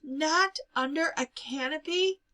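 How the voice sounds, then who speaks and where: An anxious young bride in a novel, voiced by a woman, superstitious and plaintive. The voice is bright and tense, lifting high as she frets. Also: slow pace, exaggerated voice. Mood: plaintive, shocked.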